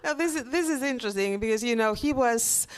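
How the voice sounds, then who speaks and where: A woman's voice: fairly high pitch, animated, brisk. A woman moderating a literary panel, asking questions with frequent restarts. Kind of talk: panel discussion.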